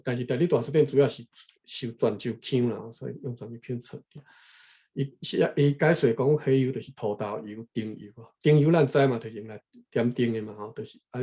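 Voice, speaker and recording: A man from Taiwan reading a history book aloud unscripted, thinking aloud, pausing to look up words and adding frequent tag particles. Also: mid-range voice, mellow. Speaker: reader explaining a history book to viewers. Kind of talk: unscripted read-aloud with running commentary.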